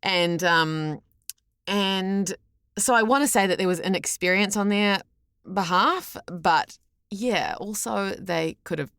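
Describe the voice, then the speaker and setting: A young adult woman with a New Zealand accent speaks as a guest on a casual podcast, and she's also a voice actor. Her medium-pitched voice is clear and resonant with no echo, and she talks slowly. She comes across as candid and expressive, using a lot of words and correcting herself as she goes.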